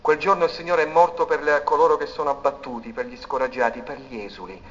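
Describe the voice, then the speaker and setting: A man preaching a sermon, swinging between loud declaiming and hushed, intimate passages. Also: mid-range voice, fairly even intonation, fast talker. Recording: dull recording in a reverberant hall.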